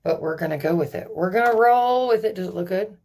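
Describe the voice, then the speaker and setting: Talking fast in a lowish, darkish voice, a young woman rambles through a casual beauty vlog. She giggles nervously at the camera and swears often.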